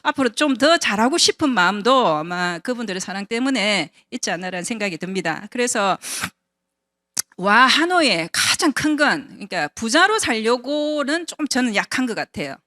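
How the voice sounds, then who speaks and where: A woman in her fifties shares her own story with a seminar audience, her pitch rising and falling a lot as she talks. She speaks conversationally, often checking in with the listeners through rhetorical questions. The sound is dry and close, with little room around it. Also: big pitch swings, moderate pace, bright, forceful tone, no room sound. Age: 50s. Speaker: invited speaker at a business seminar. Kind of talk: personal testimony talk to an audience.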